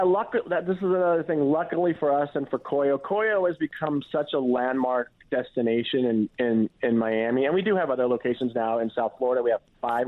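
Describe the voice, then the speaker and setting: A man who is a chef and restaurant owner, talking casually as a radio interview guest, with lots of restarts and "you know"s. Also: fairly high pitch. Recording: tinny phone-line audio.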